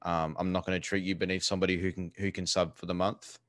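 Casting: male Australian streamer, deep voice, casual and blunt with loose swearing, recorded dry indoors. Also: level tone, fast, a bit bright, no room sound. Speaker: live streamer, interview guest. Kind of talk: casual chat. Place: living room.

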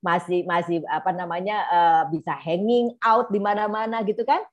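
A middle-aged woman, a clinical psychologist, explaining to an audience in a lively way and acting out other people's voices. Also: lowish voice, moderate pace, highs cut off. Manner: lively, acts out clients' voices.

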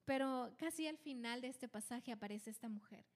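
Lively woman, higher voice. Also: moderate pace, a little hiss or hum. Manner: lively storytelling with frequent restarts. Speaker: podcast co-host. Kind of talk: casual Bible study chat.

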